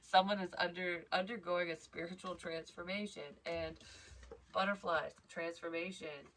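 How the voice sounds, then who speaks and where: A woman's voice: fairly low pitch, fairly even intonation, moderate pace, fairly bright tone, slight background noise, rough recording. A woman giving a casual psychic reading, stuffed up and congested, rambling and interrupting herself. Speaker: psychic tarot reader.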